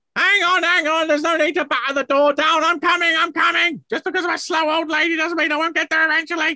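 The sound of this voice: A shrill, put-on character voice at extremely high pitch, very fast with hardly any pauses and monotone, flat intonation.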